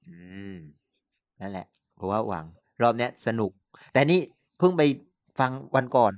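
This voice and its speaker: A man hosting a podcast, chatting casually about politics in an animated way, often laughing and using blunt slang. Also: medium pitch, moderate pace, dry recording, muffled recording. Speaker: podcast host.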